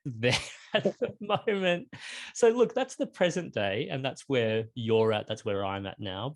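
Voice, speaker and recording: A man with an Australian accent interviewing a guest, friendly and engaged, asking lively follow-up questions. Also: mid-range voice. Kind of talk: conversational interview.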